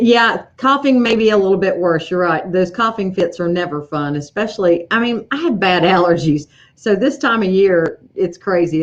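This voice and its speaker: A middle-aged woman from East Tennessee with a Southern accent, hosting a casual live stream from her home sewing room, chatting and greeting viewers with lots of fillers and restarts. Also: fairly low pitch. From East Tennessee, USA. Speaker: livestream host, embroidery educator. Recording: slightly dull lo-fi livestream audio.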